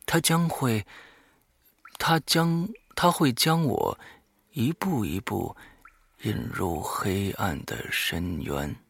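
A man's voice: on the low side, takes it slowly, creaky, fairly bright tone, husky, no echo. A man hosting a horror audio show, reading a diary aloud dramatically and breaking off for offhand, muttered asides.

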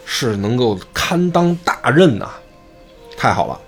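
A man's voice: mid-range voice, big pitch swings, measured pace, gravelly, soft background music. A man voicing an approving king in a comic storytelling. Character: pleased old king, grand.

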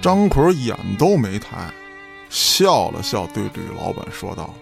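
A man's voice: on the low side, sing-song, measured pace, vocal fry, music in the background. A man narrating an audio drama from a script in a dramatic storytelling style.

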